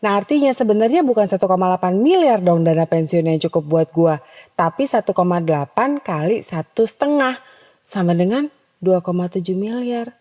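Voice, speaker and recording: A woman's voice: mid-range voice, lively intonation, brisk, dark tone, in a large hall. A woman hosting a scripted podcast monologue in a chatty, teasing way, dropping in English slang. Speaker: podcast host.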